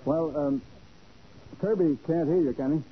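An actor playing an anxious, evasive gentleman in debt, hesitant and pleading, in 1940s radio style. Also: a little high, measured pace, a crowd in the background, lightly acted. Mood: nervously ingratiating. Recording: muffled, hissy 1940s radio recording.

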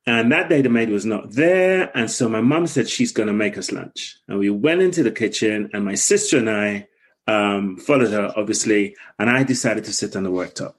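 Husky man telling his story. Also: lowish voice, lively intonation, moderate pace. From Guyana. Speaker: guest.

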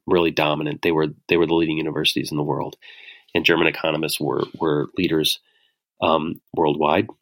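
A middle-aged man, an author being interviewed, explaining ideas in a hesitant, thoughtful way with many pauses and restarts. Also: deep voice, a bit bright. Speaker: author and guest. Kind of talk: casual spoken explanation.

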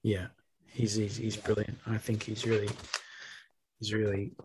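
A man's voice: lowish voice, unhurried, background noise. Chatty male podcast host. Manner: chatty, relaxed, laughs easily. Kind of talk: casual podcast chat.

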